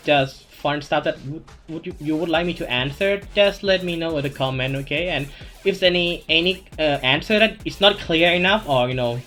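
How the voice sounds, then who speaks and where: A man's voice: fairly high pitch, moderate pace, bright, forceful tone, faint music behind. A man with a thick Thai accent hosting a casual gaming Q&A, rambling with lots of fillers and restarts. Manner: rambling, many "you know" fillers and restarts. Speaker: gaming channel host. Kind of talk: casual Q&A commentary over gameplay.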